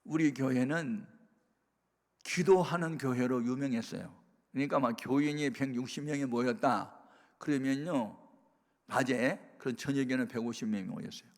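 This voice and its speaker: A male pastor giving a sermon testimony, telling his story with animated bursts of loud emphasis. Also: medium pitch, normal speed. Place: prayer retreat sanctuary. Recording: reverberant worship hall.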